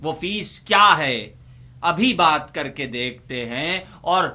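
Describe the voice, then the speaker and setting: A Pakistani man hosting a humorous poetry reading, delivering verses in a theatrical, drawn-out way with repeated lines and banter. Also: on the high side, animated, pushed and bright. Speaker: host reciting humorous Urdu poetry. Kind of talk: dramatic comic poetry recitation with banter.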